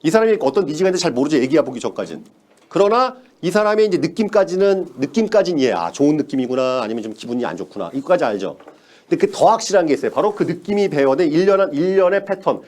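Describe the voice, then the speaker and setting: Fast, animated male sales lecturer. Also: fairly high pitch. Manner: emphatic, repeats key words, fires rhetorical questions at listeners. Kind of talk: motivational lecture to an audience.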